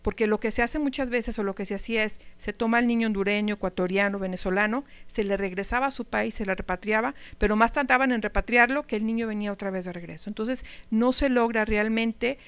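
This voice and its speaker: A woman lectures a room of teachers in a conversational way, often turning to them with questions. Her voice is smooth and clear, at a mid pitch. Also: fast talker, few pauses. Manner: conversational, asks the audience questions. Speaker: speaker at a teacher training talk.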